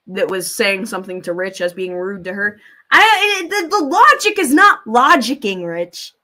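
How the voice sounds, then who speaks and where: A woman with a medium-pitched voice talks casually as the host of a livestream. She rambles and thinks aloud, reacting as she goes. Her language is blunt and informal, with plenty of swearing. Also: bright, forceful tone. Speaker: live streamer, host. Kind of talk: casual livestream chat, commentary, reading viewer comments aloud.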